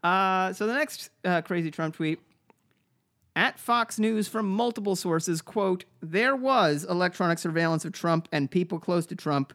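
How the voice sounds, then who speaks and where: A man's voice: high voice, a little slow, fairly bright tone. Nasal-voiced man riffing on a podcast. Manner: rambling, stammers and repeats words. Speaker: podcast co-host. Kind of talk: casual comedic chat.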